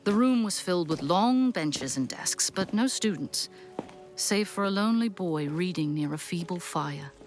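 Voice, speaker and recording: A woman playing the storyteller, giving expressive, literary narration in a scripted audio drama. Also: lowish voice, moderate pace, soft background music, natural voice. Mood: storytelling. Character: storyteller narrating a classic Christmas tale.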